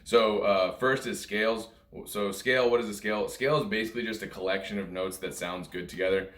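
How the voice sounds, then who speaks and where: A man's voice: on the low side, fairly even intonation, brisk, fairly bright tone. A man giving an informal music lesson, explaining things step by step in simple, conversational terms, recorded indoors. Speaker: music teacher and video host. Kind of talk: informal instructional talk. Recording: roomy, echoey room sound.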